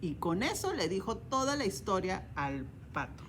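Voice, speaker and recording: A woman's voice: mid-range voice, very animated, moderate pace, slight background noise. A woman librarian reading a children's story aloud, each line in English then Spanish, with animal sounds.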